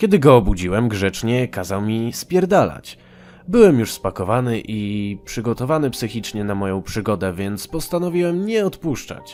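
A man speaks at medium pitch. His pitch swings very widely. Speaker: creepypasta narrator. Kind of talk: ghost story telling, first-person horror narration. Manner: hushed, slow, suspenseful; tense, building dread.

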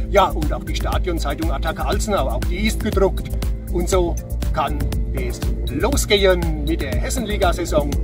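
A man at a moderate pace with long, frequent pauses and clear music in the background. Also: dry sound with no echo. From Lower Main region, Germany. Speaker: stadium announcer. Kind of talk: promotional club message to fans. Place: stadium.

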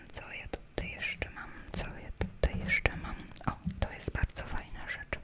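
A woman whispers at a fairly slow pace. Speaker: presenter. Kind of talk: casual show-and-tell chat, ASMR-like. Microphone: studio mic.

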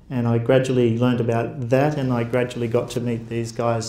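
With an Australian accent, a man speaks fairly quickly at a medium pitch in a dark, mellow tone, with audible room echo. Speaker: lawyer. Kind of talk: onstage interview. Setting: stage with audience. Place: hall. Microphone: handheld.

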